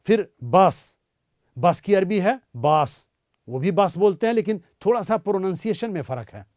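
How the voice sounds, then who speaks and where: A male language teacher giving a beginner lesson, repeating each word slowly so listeners can say it after him. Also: sits high, lively intonation, a little mellow, no echo, clean studio sound.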